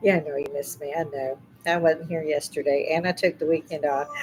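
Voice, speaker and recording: Over noticeable background noise, a woman speaks in an American accent. She keeps a fairly quick pace. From Chicago. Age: 60s. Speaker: livestreamer, retiree. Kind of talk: casual livestream chat. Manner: fast.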